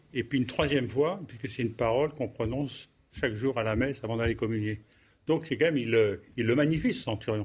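Speaking at a fairly quick pace, a man with a medium-pitched, somewhat breathy voice uses ordinary pitch variation. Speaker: retired army general. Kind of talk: panel discussion.

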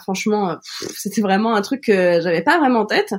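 With noticeable background noise behind her, a woman speaks at a fairly high pitch and a moderate pace with ordinary pitch variation. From France, Anjou (Angers). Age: 30s. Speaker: illustrator and comic book author. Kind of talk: casual interview chat.

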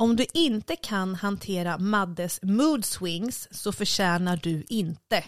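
A woman speaks at a very slow pace with hardly any pauses and ordinary pitch variation, on a very clean recording with a silent background. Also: medium pitch for a woman. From Sweden, Örebro. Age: 30s. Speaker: beauty industry worker. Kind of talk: casual chat.

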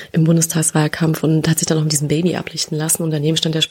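A woman speaks at a very fast pace in a very deep, low pitch with monotone, flat intonation over noticeable background noise. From Saxony, eastern Germany. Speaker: policy officer at a political foundation. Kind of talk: interview.

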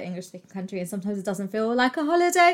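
This woman talks very fast in a medium pitch with an animated tone. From London. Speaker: podcast host, traveller. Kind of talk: casual chat. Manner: animated, laughs often.

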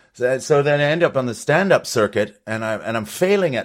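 At a moderate pace, a man speaks in a medium pitch on a very clean recording with a silent background. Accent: Canadian. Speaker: comedian. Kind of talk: casual chat. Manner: halting.

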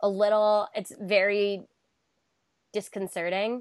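A woman's animated voice, dry and close with no echo, over a quiet background. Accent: American. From US (Florida and West Virginia). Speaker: podcast co-host. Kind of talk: casual chat. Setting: in bed.

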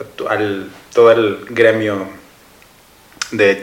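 A man talks at a very slow pace and a medium pitch. Noticeable background noise and audible room echo fill the recording. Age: 30s. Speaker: podcast co-host. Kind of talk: casual interview.

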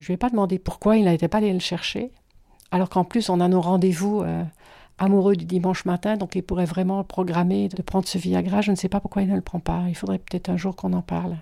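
A woman with a medium pitch and a dark, mellow tone talks fairly quickly in a monotone, flat way, on a very clean recording with a silent background. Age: 60s. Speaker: anonymous testimony contributor. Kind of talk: testimony.

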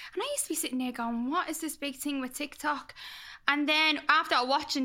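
In an Irish accent, a raised, projected voice with a bright, sharp tone moves at a fairly quick pace. Pitch variation is ordinary, and the recording is very clean with a silent background. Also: woman. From Ireland. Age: 20s. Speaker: social media personality. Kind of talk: casual chat. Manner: animated storytelling.

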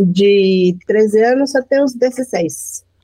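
A woman with a Spanish accent, a fairly high pitch and a dark, mellow tone speaks with ordinary pitch variation, the sound dry and close with no echo. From Mexico. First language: Spanish (speaking Portuguese). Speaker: teacher. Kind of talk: casual chat.

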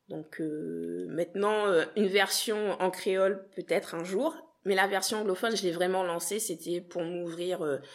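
A woman with a normal speaking voice talks at a fairly slow pace, fairly low in pitch, with fairly even intonation. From Guadeloupe. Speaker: podcaster. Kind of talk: interview.

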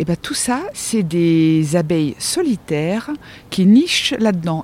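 Her pitch swings very widely as this woman talks over noticeable background noise. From Germany. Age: 50s. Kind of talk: casual chat. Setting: outdoors.

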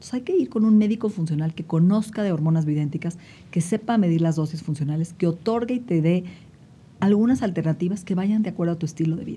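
Somewhat breathy and fairly low, a woman's dark, mellow voice moves at a very fast pace with ordinary pitch variation. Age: 40s. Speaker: nutritionist podcast host. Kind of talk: solo talk monologue.

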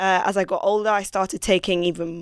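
A woman with an unremarkable speaking voice talks at a medium pitch with ordinary pitch variation in a dry, close sound with no echo. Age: 20s. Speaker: endometriosis patient. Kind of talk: testimony.

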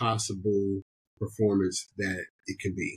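A man talks with an American accent. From Iowa, Tennessee and Ohio, US. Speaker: singer-songwriter and vocal producer. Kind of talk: casual interview.

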